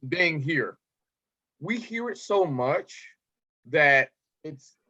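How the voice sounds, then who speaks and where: A man's voice: a little high, expressive, extremely slow, sharp tone. Man, podcast host, chatty, home-town pride, dull lo-fi audio. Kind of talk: casual interview chat.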